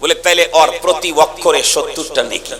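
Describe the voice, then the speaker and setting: A man from Bangladesh with a Bangladeshi Bengali accent preaching a waz sermon to a large gathering. He talks in a sing-song chant that swings from soft talk to shouts, and he keeps pressing the listeners to answer back. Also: fairly high pitch, steady tone, normal speed. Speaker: Islamic preacher. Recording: live sermon with crowd noise.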